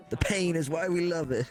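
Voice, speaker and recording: A man chatting casually during an online roleplay, joking and laughing often. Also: fairly high pitch. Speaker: roleplay player.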